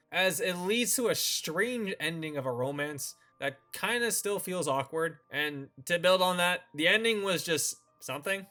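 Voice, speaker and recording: A man's voice: fairly high pitch, bright, forceful tone. A man hosting a review in semi-scripted commentary, opinionated and given to informal asides. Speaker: host of a visual novel review channel.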